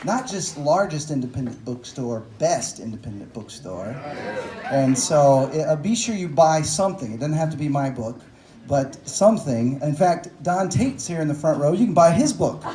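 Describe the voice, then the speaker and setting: A man's voice: a little high, lively intonation, moderate pace, dark tone. A man in his forties from Texas, an author telling self-deprecating stories to an audience at a bookstore event, with fillers and jokes. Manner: self-deprecating, joking, conversational with many fillers. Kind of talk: storytelling talk at a book event. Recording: echoey room, faint noise.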